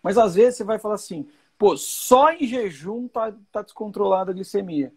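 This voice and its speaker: A man's voice: high-pitched, expressive, normal speed, a little mellow, breathy edge. A man in his forties hosting a live chat, explaining with reassurance and repeating key points. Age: 40s. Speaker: host.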